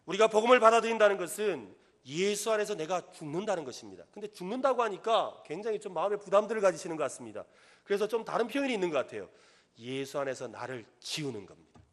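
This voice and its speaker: A middle-aged man preaching a sermon as pastor in a church, earnest, rising to loud emphatic peaks. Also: sits high, sing-song, quick pace. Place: church sanctuary.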